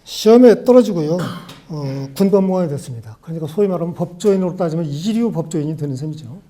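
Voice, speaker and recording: A man's voice: fairly high pitch, animated, quick pace, dark tone, slight background noise. A man in his sixties from Jeolla, South Korea, a law professor giving a farewell lecture full of reflective personal anecdotes in a university lecture room. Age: 60s.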